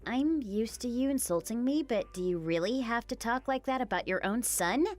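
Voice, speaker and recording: A woman's voice: a little high, lively intonation, moderate pace, soft background music, lightly acted. Woman voicing a pleading young wife. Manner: earnest, pleading. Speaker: daughter-in-law. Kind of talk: animated story voice acting.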